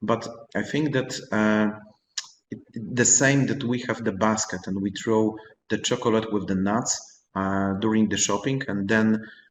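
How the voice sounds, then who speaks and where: A man speaks at a fairly slow pace with a Polish accent. His pitch sits fairly low. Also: fairly even intonation. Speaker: teacher and presenter. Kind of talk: webinar presentation. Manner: halting.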